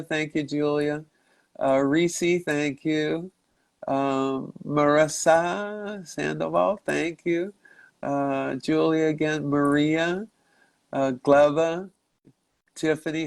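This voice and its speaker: A man hosting a live stream in casual chat, congested from a cold, rambling and halting as he searches for words. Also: on the high side, vocal fry, dry recording. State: stuffy nose and cough from a cold. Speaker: livestream host. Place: his home in Mexico.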